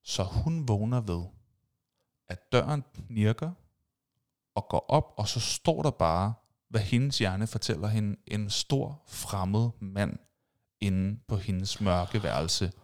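A man hosting a podcast, telling personal stories in a casual chat and acting out screams and sound effects. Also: lowish voice. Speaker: podcast host.

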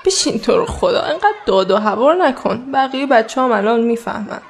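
A woman's voice: a little high, animated. An actress playing a joking young woman who is upset, in a radio drama. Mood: teasing. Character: Samaneh, young woman, joking, upset over family ruin.

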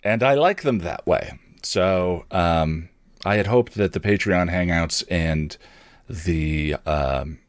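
A man's voice: sits low, slow, no echo. A man hosting a podcast, giving casual, rambling announcements with dry, self-deprecating humour. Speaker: podcast host and streamer.

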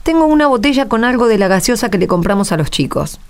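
A woman's voice: fairly high pitch, very animated, fast. An actress with an Argentine accent playing a practical, talkative, country-raised poor mother in a radio play. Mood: chatty, practical. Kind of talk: radio drama acting.

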